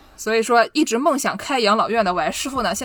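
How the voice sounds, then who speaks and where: A woman speaks very fast in an animated tone. Noticeable background noise runs under her voice. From northern Jiangsu (Subei). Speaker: comedy podcast co-host. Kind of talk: casual comedic crosstalk chat.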